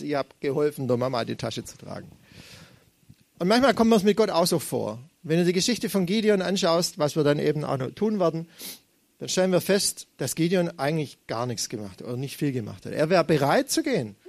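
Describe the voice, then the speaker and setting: A young man delivers a sermon in a chatty, animated way, often slipping into quoted voices. His voice sits a bit high for a man. The recording is dry and close, with almost no room sound. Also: vocal fry, no echo. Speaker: preacher.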